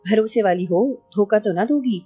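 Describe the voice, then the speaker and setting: Greedy old male sorcerer, read by a woman, boastful and threatening, mellow dark tone, faint music behind, audio novel. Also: medium pitch, breathy edge, close to an everyday voice. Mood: scheming. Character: scheming older male sorcerer, greedy and menacing.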